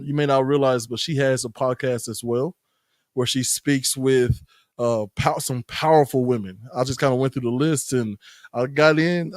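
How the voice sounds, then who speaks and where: A man's voice: medium pitch, a little mellow, dry recording. A man hosting a podcast, interviewing in a casual conversational style. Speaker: podcast host.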